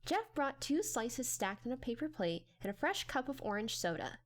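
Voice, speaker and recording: Female narrator, dramatic audiobook reading, highish voice, expressive swings, background music. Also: normal speed.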